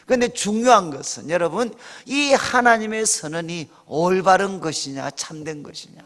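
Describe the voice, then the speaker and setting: A man's voice: high-pitched, animated, moderate pace, fairly bright tone. A male pastor preaching a sermon in a church, telling stories animatedly with acted quotes. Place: church sanctuary. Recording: reverberant church hall.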